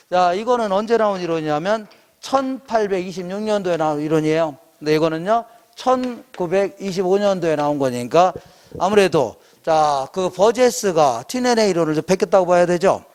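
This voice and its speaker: A man's voice: sits high, lively intonation, fairly quick, a little mellow. A middle-aged male professor giving an exam-prep lecture. He keeps asking questions and answering them himself, and he uses jokey memory tricks. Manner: call-and-response quizzing, asks and answers himself; jokey memory tricks, mimics a regional drawl.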